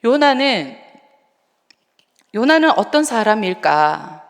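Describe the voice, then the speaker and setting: A woman evangelist preaching a midweek sermon in a conversational, animated way, asking the congregation questions. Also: a little high, takes it slowly. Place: church sanctuary. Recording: long church hall reverb.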